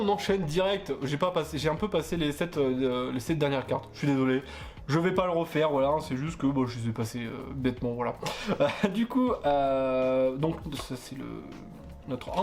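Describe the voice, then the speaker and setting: A man casually chatting while opening trading card boosters, hesitant with many fillers and self-corrections, stumbling over English card names. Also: fairly high pitch. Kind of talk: casual booster unboxing chat.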